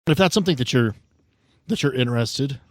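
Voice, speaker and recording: A man's voice: mid-range voice, expressive, a little fast, no room sound, studio quality. A man running a tabletop game as game master, recapping the story with playful, teasing asides.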